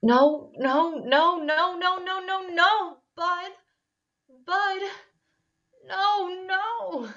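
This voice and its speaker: A woman's voice: extremely high pitch, drawn-out words, fairly bright tone, highs cut off, exaggerated voice. A woman reading the part of a distraught, fragile young patient in a mental hospital at a screenplay table read. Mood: panicked, distraught.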